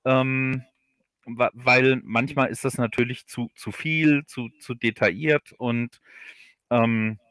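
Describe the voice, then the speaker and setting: A man chatting as an interview guest on a livestream, explaining in a halting way and often repeating words. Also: mid-range voice, fairly even intonation, a bit bright, clear, resonant tone, no echo. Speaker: guest audio drama writer. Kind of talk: casual interview chat on a livestream.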